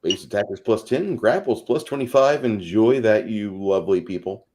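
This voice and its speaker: A man's voice: fairly low pitch, moderate pace, a little mellow. A middle-aged man chatting casually and telling rambling, sweary anecdotes as a co-host of a gaming show. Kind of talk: casual chat.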